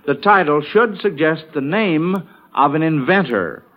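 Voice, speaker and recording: A man's voice: a little high, lively intonation, measured pace, highs cut off. A man hosting a classic radio quiz show in an encouraging, chatty manner, on an old broadcast recording.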